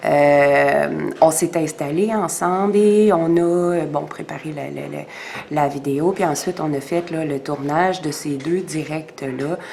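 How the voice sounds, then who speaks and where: With a Quebec accent, a woman speaks very slowly at a very deep, low pitch, her intonation fairly even, her loudness swinging widely, and noticeable background noise behind her. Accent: Québécois French. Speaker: vlogger. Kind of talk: casual vlog voiceover. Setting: home, recording while editing. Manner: halting, many fillers.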